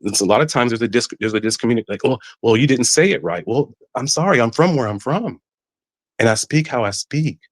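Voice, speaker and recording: A man speaking African American Vernacular English, calling in to a podcast and earnestly explaining himself, often repeating words and rising in pitch when he insists. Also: expressive, quick pace, no room sound. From United States. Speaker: caller. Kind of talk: heated podcast call-in discussion.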